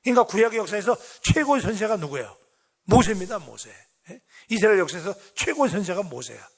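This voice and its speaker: A man's voice: sits high, sing-song, quick pace. A middle-aged man preaching a dawn sermon in a church, talking conversationally and tossing questions to the congregation. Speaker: pastor. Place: church sanctuary.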